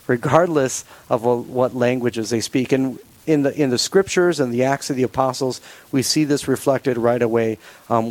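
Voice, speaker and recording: A man hosting a Catholic radio interview, talking in a measured, thoughtful way with frequent pauses and fillers. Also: medium pitch, a little mellow, low-quality recording. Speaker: radio show host.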